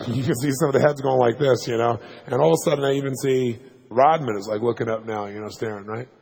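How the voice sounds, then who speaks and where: A man telling a story to a live audience as a motivational speaker, fast and punchy, checking in with "right?" asides. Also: medium pitch, fairly even intonation, vocal fry, a little mellow, slight background noise. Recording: long hall reverb.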